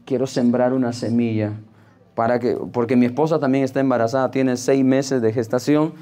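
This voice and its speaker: A young adult man, preaching a sermon as pastor, repeating phrases and breaking into sudden emphatic high-pitched bursts. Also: fairly even intonation, fairly quick, warm tone. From Peru. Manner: acts out callers' voices in a higher pitch while telling stories.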